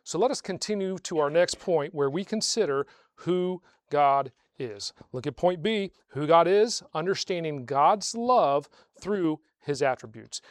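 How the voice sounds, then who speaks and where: A man preaching a sermon to a congregation, asking rhetorical questions and slowing down to stress key phrases. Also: a little high, expressive, no room sound. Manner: swells louder on key phrases, slows for emphasis. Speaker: pastor.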